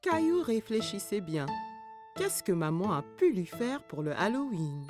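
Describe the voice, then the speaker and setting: A woman narrating a children's cartoon story in a gentle, expressive storytelling manner. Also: medium pitch, unhurried, music in the background.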